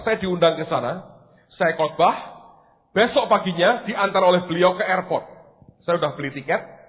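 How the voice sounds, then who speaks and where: Animated preacher in a tinny echoing hall. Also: male voice, a little high. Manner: animated storytelling preacher, questions to congregation. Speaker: pastor. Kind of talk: sermon. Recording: tinny phone-like sound in a reverberant church hall.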